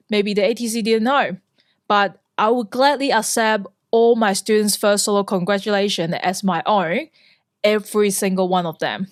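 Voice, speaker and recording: A woman's voice: mid-range voice, no echo, studio quality. A woman from Hong Kong, a flight instructor, narrating a scripted vlog in an earnest, enthusiastic way.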